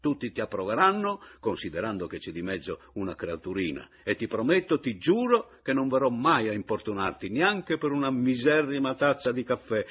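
A man voicing a sardonic, teasing man back from supposed death, in a husky, theatrical voice. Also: low-pitched.

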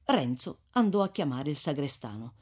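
Expressive husky-voiced male narrator. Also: on the high side, normal speed. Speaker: reader. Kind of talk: reading a classic novel aloud.

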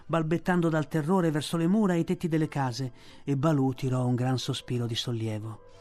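A man reading a children's classic aloud for a radio audiobook, with measured, vivid storytelling. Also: mid-range voice, darkish tone. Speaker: reader.

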